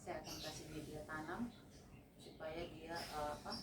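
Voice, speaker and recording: Low-voiced woman demonstrating plant repotting. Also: little pitch movement, normal speed, recorded from a distance. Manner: explains step by step to viewers with frequent fillers. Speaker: plant nursery grower. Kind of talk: casual hands-on gardening demonstration. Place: plant nursery. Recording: echoey, off-mic, with loud background noise.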